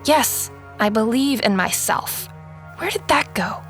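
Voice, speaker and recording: Earnest high-voiced teenage girl. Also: animated, takes it slowly, a bit bright. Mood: indignant, urgent. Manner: earnest, youthful, pushy. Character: earnest, idealistic, outspoken sixteen-year-old girl artist. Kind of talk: audio drama acting. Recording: music under the voice.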